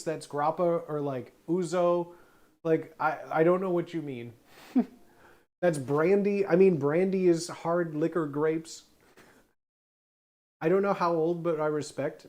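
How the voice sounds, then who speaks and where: A man in his thirties, a streamer and former bartender, chatting casually in a rambling way with quick asides. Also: on the high side, darkish tone. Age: 30s.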